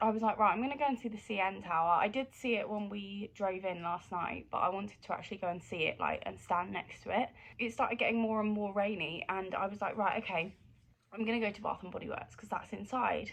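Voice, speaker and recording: This woman talks at a very fast pace with an English accent. Her pitch is medium. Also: ordinary pitch variation. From England. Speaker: flight attendant and travel vlogger. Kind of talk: vlog. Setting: outdoors and hotel room. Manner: chatty, casual.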